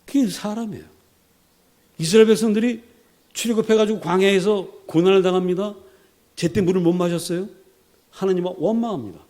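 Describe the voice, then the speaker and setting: A pastor preaches dramatically in a church sanctuary, his high-pitched voice warm and steady, a little fast but broken by long pauses. He acts out quotations as he goes, rising to emphatic peaks.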